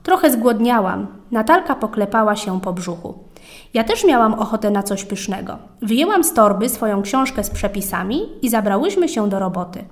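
A woman narrating a children's story in a calm, expressive read-aloud tone. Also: medium pitch, fairly quick.

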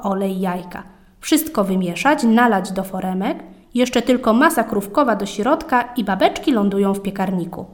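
A woman narrating a children's story in a calm, expressive read-aloud tone. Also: mid-range voice.

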